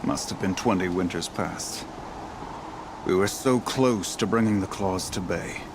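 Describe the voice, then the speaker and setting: A weary old tribal hunter from a video game. His voice sits fairly low and he speaks with solemn, poetic pride, like a veteran telling his own saga. Clear ambient noise runs behind him. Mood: grave, proud. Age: older. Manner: solemn, measured, poetic storyteller. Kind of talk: dramatic video game dialogue.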